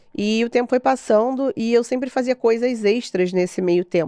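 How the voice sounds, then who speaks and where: A woman with a Rio de Janeiro accent has a fairly high, dark and mellow voice with ordinary pitch variation. The sound is dry and close, with no echo. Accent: carioca. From Rio de Janeiro, Brazil (Barra da Tijuca). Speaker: entrepreneur, events and branding professional. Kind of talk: podcast interview.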